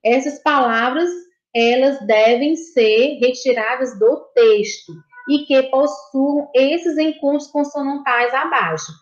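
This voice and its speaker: Woman, Brazilian Portuguese accent, schoolteacher, patient and encouraging, muffled echoey recording. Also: high voice. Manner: slow, patient, repeats and praises children. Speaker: primary school teacher. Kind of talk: recorded video lesson for children. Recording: dull, echoey room.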